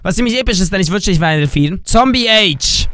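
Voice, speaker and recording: Young male gaming YouTuber, high, smooth voice, dry from a cold, jokey let's-play commentary. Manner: excitable, jokey, switches between shouts and drawn-out slow words.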